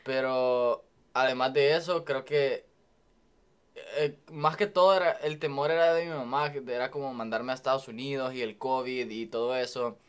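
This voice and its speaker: A man's voice: medium pitch, fairly even intonation, normal speed, clean tone. A man in his twenties with a Salvadoran accent, a student talking easily and reflectively as a podcast guest. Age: 20s. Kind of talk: casual podcast conversation.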